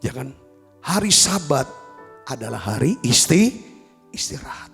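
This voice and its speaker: A man's voice: medium pitch, big pitch swings, unhurried, creaky, a bit bright, long reverb tail, soft background music. A male pastor preaching a sermon, emphatic and repeatedly addressing the congregation directly.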